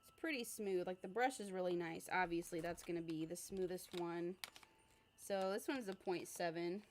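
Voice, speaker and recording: A woman's voice: fairly low pitch, moderate pace, a little hiss or hum. Chatty young woman streaming her sketching. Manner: chatty, rambling, reads viewer comments aloud; frequent fillers and laughs, relaxed. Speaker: art livestreamer. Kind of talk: casual livestream chat while sketching.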